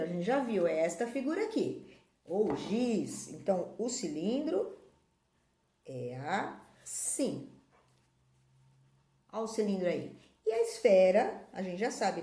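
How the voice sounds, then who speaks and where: A woman's voice: lowish voice, dark tone. Patient woman teaching children. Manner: patient, explaining to children, points at objects. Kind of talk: classroom video lesson. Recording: echoey room.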